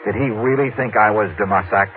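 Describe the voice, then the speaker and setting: A man's voice: lowish voice, a little fast, lightly acted. A man playing Johnny Dollar, tough radio detective. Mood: narrating. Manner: clipped, streetwise, wisecracking. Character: hard-boiled male insurance investigator, wry and tough. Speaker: narrator and lead. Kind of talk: 1950s radio drama acting. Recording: lo-fi old radio broadcast with music.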